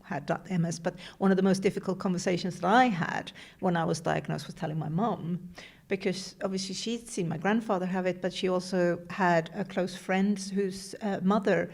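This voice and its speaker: Woman, 40s, from Sweden, lowish voice, easygoing reflective podcast chat. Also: normal speed, vocal fry. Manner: relaxed, reflective, with fillers and light laughs. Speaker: podcast guest working for an MS charity. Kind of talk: casual conversation.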